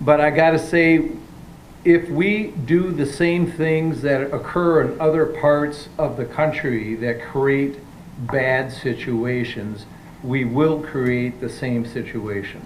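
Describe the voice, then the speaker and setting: Heard with audible room echo and noticeable background noise, a man with a fairly high pitch speaks very slowly with ordinary pitch variation. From Wisconsin. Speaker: public commenter at city meeting. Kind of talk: public comment speech. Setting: city board meeting. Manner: hesitant with fillers.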